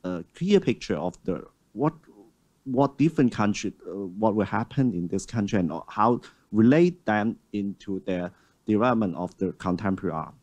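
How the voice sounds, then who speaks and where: A man moderating a panel discussion on a large auditorium stage, speaking haltingly with many fillers and restarts. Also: fairly low pitch, expressive, a little mellow.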